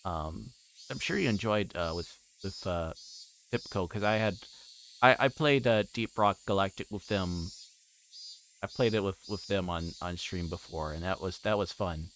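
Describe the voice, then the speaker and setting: A man hosting a livestream, chatting casually in a halting, rambling way and often repeating words as he plays a game. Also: deep voice, a bit bright, a little hiss or hum. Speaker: livestream host. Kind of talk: casual livestream chat while playing a visual novel.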